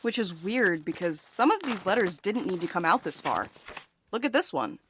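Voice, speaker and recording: A woman acting in an audio drama as a wry, articulate character, speaking in a dry, measured way. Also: mid-range voice, very animated, fairly bright tone, slight background noise. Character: wry, blunt postal worker, also a reflective letter-writing ghostwriter. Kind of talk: audio drama dialogue and monologue.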